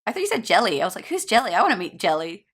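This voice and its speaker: A woman's voice: medium pitch, sing-song, very fast, fairly bright tone, husky. A woman content creator chatting casually and informally as a guest on a gaming podcast.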